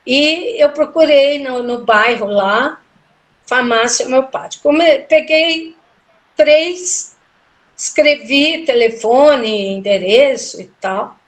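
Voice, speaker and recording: Lady recounting a story, pretty high voice, lively, acts out the quotes. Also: slow. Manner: animated, acts out quoted dialogue with big pitch jumps. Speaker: interview guest, tarot reader. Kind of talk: emotional personal storytelling.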